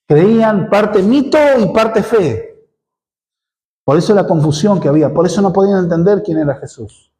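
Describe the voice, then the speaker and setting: This Argentine pastor speaks Spanish with a Rioplatense accent, teaching an expository sermon and asking rhetorical questions along the way. He talks at a normal speed in a high, dark-toned voice, captured in low quality.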